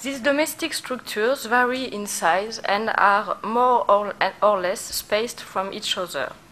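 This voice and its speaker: A woman with a French accent and a fairly high pitch, at a very slow pace with ordinary pitch variation, over noticeable background noise. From France. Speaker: archaeologist. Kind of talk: conference presentation.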